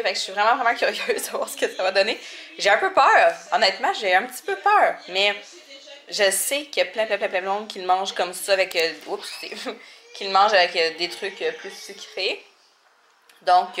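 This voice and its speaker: A young woman with a Québécois French accent, chatting casually in a vlog, often laughing and filling pauses. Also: medium pitch, animated, a bit bright. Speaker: vlogger.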